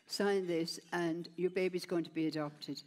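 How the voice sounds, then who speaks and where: A woman's voice: on the low side, fairly even intonation, moderate pace, a little mellow. Older woman telling her story. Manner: plain, rambling, frequent "you know". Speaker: interview guest. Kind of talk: onstage conversation, personal story. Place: stage at a large gala, indoors. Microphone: headset mic.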